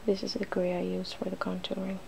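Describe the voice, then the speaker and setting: A woman hosting an ASMR makeup demonstration, speaking in soft, breathy whispers and hushed tones as she narrates each step playfully. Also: lowish voice, completely flat delivery, brisk, noisy background. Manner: playful, giggly. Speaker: ASMR video host.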